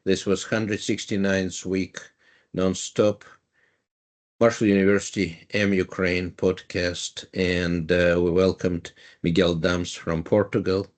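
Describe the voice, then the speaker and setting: A man hosting an online podcast panel, polite and measured as he closes the program. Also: low voice. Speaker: podcast host. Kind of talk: formal program closing. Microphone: video call.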